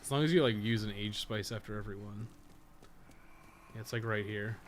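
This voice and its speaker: A man giving casual, rambling live commentary as he plays a game, thinking out loud and swearing freely. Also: fairly low pitch, a little fast, noisy background. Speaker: game streamer and guide maker.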